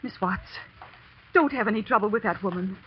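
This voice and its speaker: A woman's voice: mid-range voice, brisk, noisy background, natural voice. An actress playing an anxious young female student in a 1940s radio drama, pleading and urgent. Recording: dull old radio broadcast.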